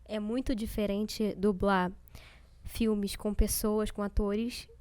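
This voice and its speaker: A woman's voice: mid-range voice, flat delivery, slow, darkish tone. A woman hosting a podcast who eagerly asks her guest follow-up questions. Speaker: podcast host. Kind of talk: interviewing, casual chat.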